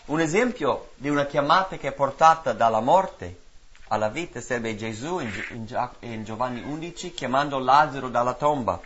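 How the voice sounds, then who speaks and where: A man preaching a sermon in a rhythmic, repetitive cadence, swinging between loud emphatic lines and hushed drops. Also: medium pitch, expressive, normal speed, muffled recording, a little hiss or hum.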